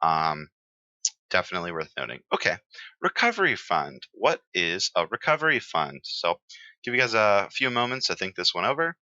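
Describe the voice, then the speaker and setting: Man, deep voice, very bright and forceful tone, casual tutor, lots of fillers, dry dull recording. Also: normal speed, no room sound. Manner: relaxed, chatty, many fillers. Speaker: exam prep teacher. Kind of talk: casual lecture with pauses.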